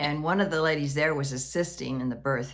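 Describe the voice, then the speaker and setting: A woman with an American accent speaks at a moderate pace in a very deep, low voice with vocal fry and fairly even intonation, and the room echo is audible. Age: 80s+. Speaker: vlogger. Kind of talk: personal storytelling. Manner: unscripted, conversational.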